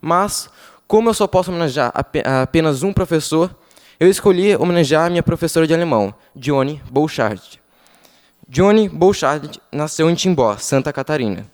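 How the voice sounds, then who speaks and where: A young male councillor reading a formal tribute speech with a Brazilian Portuguese accent, careful and measured, with a few pauses. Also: a little high, animated. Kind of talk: formal speech read aloud. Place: council chamber. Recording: long reverb of a council chamber.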